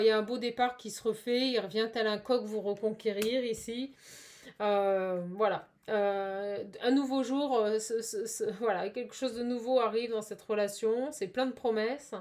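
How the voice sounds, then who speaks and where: A woman's voice: a little high, steady tone, normal speed. Chatty French-speaking woman reading cards. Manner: hesitant, many fillers and restarts; chatty and encouraging. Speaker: spiritual card reader. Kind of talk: casual card-reading guidance.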